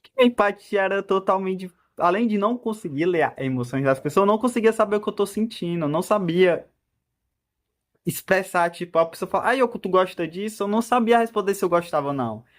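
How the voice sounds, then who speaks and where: A man's voice: high voice, expressive, fast talker. A man in his twenties with a Brazilian Portuguese accent, talking in a casual, rambling monologue full of restarts. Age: 20s. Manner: talkative and rambling, with self-interrupting restarts and frequent laughs. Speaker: vlogger.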